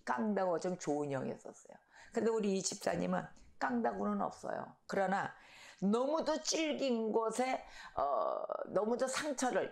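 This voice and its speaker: A middle-aged woman pastor preaching a sermon, telling stories and acting out shouted quotes. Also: mid-range voice, creaky. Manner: storytelling, animated, acts out shouted quotes. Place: church sanctuary. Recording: echoey church hall.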